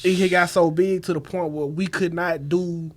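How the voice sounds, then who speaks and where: A man's voice: sits high, normal speed. A young man with a Southern Black American accent telling casual, slangy stories full of swearing as a podcast guest. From Mississippi, USA. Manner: slangy, profane, animated storyteller. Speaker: podcast guest, former party promoter. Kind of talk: casual storytelling in conversation.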